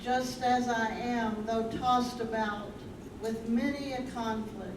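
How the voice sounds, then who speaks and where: A woman's voice: on the high side, steady tone, slow, recorded from a distance. A woman reading a chorus part in a staged play. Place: live staged reading in echoey room. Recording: roomy, noisy stage recording from afar.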